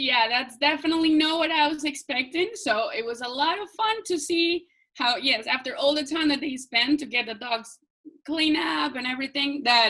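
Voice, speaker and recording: A woman with a Colombian accent uses a raised, projected voice, bright and sharp in tone and high in pitch. Her intonation is lively and her pace moderate. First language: Spanish. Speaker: guest reader. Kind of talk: casual interview.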